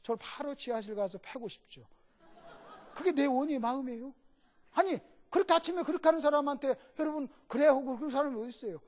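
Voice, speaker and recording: A middle-aged male guest pastor delivers a sermon with a voice that rises and falls dramatically. He moves between fervent shouting and quiet, confiding asides. He acts out little voices and keeps asking the congregation questions. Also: extremely high pitch, fast talker. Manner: animated, swings between shouting and hushed asides.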